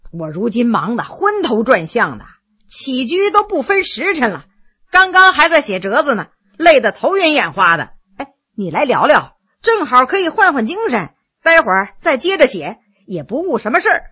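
Woman doing a jovial sly old-court official guy, chatty banter, high bright voice. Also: big pitch swings, moderate pace, breathy edge, heavily acted. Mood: jovial, teasing. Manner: teasing, glib banter. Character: scheming, jovial Qing-era male official.

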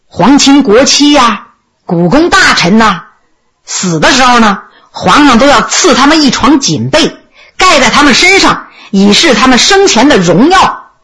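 A woman storyteller with a somewhat high, husky voice telling a traditional historical tale. She speaks slowly and lets her pitch rise and fall widely as she narrates. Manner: expressive, swinging between voices.

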